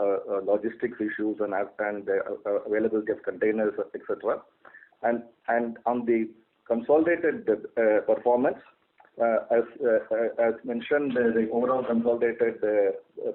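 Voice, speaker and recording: A man's voice: mid-range voice, narrow, tinny audio. A man with an Indian accent briefing on finances as a company executive, often stalling and repeating his words. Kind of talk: semi-scripted financial briefing on a conference call. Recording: thin telephone conference line.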